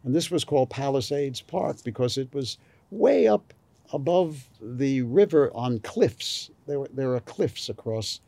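An older man from New York recalling his childhood in a slow, rambling interview, with many fillers. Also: medium pitch, lively intonation, creaky, warm tone, no echo. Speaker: author. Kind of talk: oral history interview.

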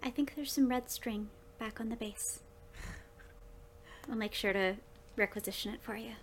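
A woman's voice: fairly high pitch, moderate pace, slight background noise. A woman taking part in a tabletop role-playing game, giving brief, matter-of-fact replies. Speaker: player. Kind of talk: tabletop role-play as a character.

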